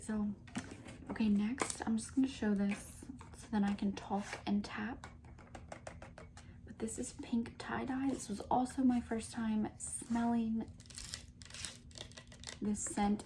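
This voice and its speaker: A young woman in a soft-spoken ASMR chat, rambling casually with lots of fillers and giggles. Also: a little high, steady tone, takes it slowly, pauses often, noisy background. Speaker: ASMR creator.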